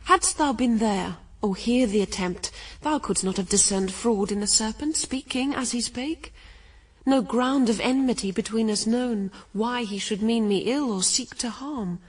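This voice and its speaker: An actress playing Eve, a wounded, defiant first wife, in formal, reproachful verse radio drama. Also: female voice, a little high, measured pace, breathy edge, recorded from a distance, rough recording. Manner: formal, reproachful, archaic rhetorical questioning.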